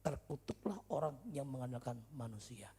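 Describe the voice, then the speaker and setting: A male pastor preaching in a church service with humor and stories, swinging from loud shouts to quiet asides. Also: mid-range voice, moderate pace, breathy edge. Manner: humorous, storytelling, chatty slang. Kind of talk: sermon.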